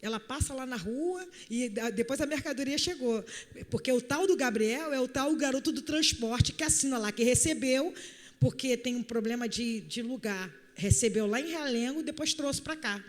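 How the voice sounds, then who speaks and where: A woman's voice: high-pitched, moderate pace. A woman preacher, telling a personal story in a chatty sermon and speaking straight to the congregation. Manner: chatty, animated, addresses the congregation directly. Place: church hall. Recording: long hall reverb.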